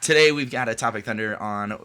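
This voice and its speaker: A man's voice: fairly low pitch, brisk, bright, forceful tone, clean tone. A man hosting a podcast in a loose, casual chat, with fillers and restarts. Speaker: podcast host.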